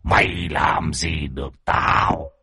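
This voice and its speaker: A man voicing a vengeful male demon spirit in a spoken horror story, taunting with a low, slow sneer. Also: creaky, sharp tone, slightly rough, no room sound, full character voice. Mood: gloating menace.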